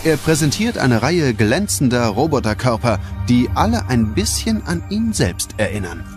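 A man's voice: mid-range voice, very animated, moderate pace. A man narrating a scripted children's audio play as a dramatic storyteller. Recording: music behind the voice.

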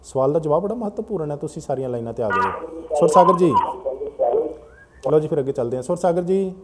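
A man's voice: fairly high pitch, expressive, fast, very noisy. A man hosting a televised call-in talk show, patiently explaining at length to callers. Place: TV studio.

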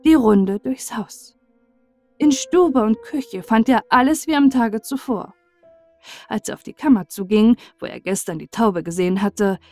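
A woman narrating a fairy tale as a bedtime audiobook, with measured, expressive storyteller delivery. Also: medium pitch.

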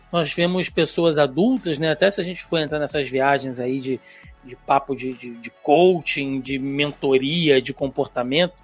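A man's voice: fairly high pitch, slightly rough. A Brazilian man hosting an interview, chatting casually and thinking aloud with informal asides. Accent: Brazilian Portuguese. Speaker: show host.

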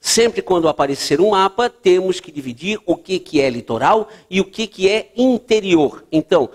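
A man's voice: sits high, lively intonation, moderate pace. A man teaching geography for a test-prep course, explaining at a board and checking in often with his students. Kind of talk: lecture at a board.

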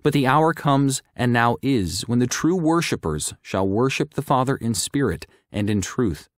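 A man narrating a religious audiobook in a measured, clearly enunciated scripted reading. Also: mid-range voice, lively intonation, dry recording, clean studio sound.

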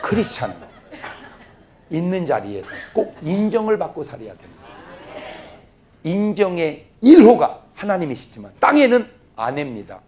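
Lively, animated Korean preacher. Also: male voice, high voice, moderate pace, pauses often, some chatter behind. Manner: animated, joking, acts out scenes. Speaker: pastor. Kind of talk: humorous revival sermon.

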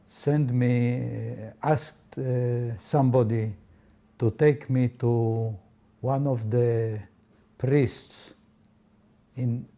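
An older man talks very slowly, stopping often between short phrases as he remembers. His voice is very dark and low in tone. He is interviewed in a quiet study lined with books. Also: fairly even intonation. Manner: slow, hesitant, full of pauses and fillers. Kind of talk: recounting memories in an interview.

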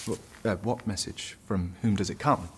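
An actor playing an indecisive, excitable, genial heir to a throne in an audio drama, courtly and effusive. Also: male voice, on the low side, normal speed, slight background noise, natural voice. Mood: flustered.

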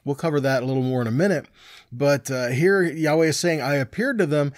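A man in his forties teaching scripture in a conversational, animated sermon style. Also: a little high, brisk, dry recording, clean studio sound. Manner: conversational, animated, frequent "right?" and "okay?" tags. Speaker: Bible teacher.

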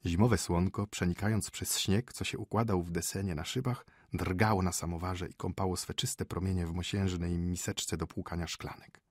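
Husky low-voiced male audiobook narrator. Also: fairly even intonation, moderate pace, few pauses, no echo, clean studio sound.

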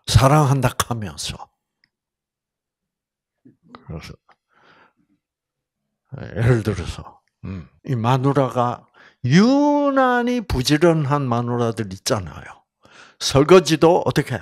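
A man's voice: medium pitch, wildly swooping pitch. A man with a Gyeongsang accent giving a health lecture, drawing out his words and sometimes dropping to a whisper. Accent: Gyeongsang Korean. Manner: drawn-out, dropping to a whisper at times.

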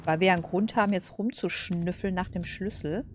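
A woman's voice: lowish voice, fairly quick, a little hiss or hum. A woman casually commenting over a game, chatty, laughing and cursing at setbacks. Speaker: let's play host.

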